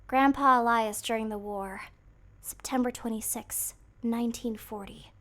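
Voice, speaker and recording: Playing a horror game, a female livestreamer chats casually and playfully with her viewers in a cute, girlish, anime-like voice, sometimes murmuring to herself. Her pitch is fairly high, her intonation fairly even, her tone fairly bright, and she doesn't rush.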